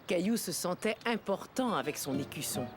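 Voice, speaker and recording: A woman playing a kindly storyteller, narrating a children's cartoon tale in an expressive, simple way. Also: lowish voice, moderate pace, natural voice. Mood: kindly storytelling. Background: loud music.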